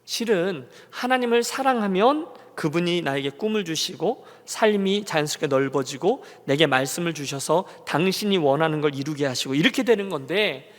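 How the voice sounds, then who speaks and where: Male pastor, high-ish voice, emotive storytelling sermon, reverberant sanctuary sound. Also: animated. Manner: emotive storytelling, acting out quoted prayers and God's soft replies; drops to hushed slow lines for quotes. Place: church sanctuary. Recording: long church-hall reverb.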